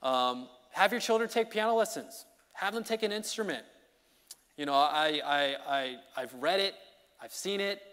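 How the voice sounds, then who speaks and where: Chatty preacher in a reverberant church. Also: male voice, a little high, normal speed, smooth. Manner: conversational, energetic, often checks in with "okay?" and "you know". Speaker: preacher and song leader. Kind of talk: informal midweek sermon. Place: church sanctuary. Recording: long reverb of a church hall.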